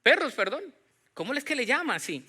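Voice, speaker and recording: A man preaches in Latin American Spanish with a strikingly high voice. His tone is very bright and forceful. He teaches scripture conversationally, in an animated manner, often turning to his listeners with questions. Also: a little fast, slightly rough. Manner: animated, acts out imagined dialogue, questions the congregation. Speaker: pastor preaching. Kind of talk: conversational Bible-teaching sermon.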